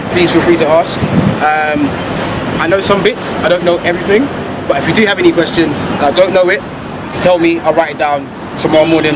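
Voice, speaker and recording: Chatty man guiding a street tour. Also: fairly high pitch. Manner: relaxed, chatty, many ums, laughs easily. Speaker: walking tour guide. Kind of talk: casual outdoor tour talk. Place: busy city street outdoors. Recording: loud street and traffic noise.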